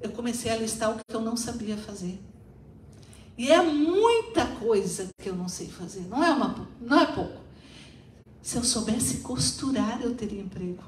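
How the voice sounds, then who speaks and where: Amid noticeable background noise and audible room echo, a woman with a southern Brazilian accent speaks at a moderate pace and fairly high pitch, with lively intonation, big swings in loudness and long, frequent pauses. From southern Brazil, Paraná. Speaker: spiritist lecturer. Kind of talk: lecture.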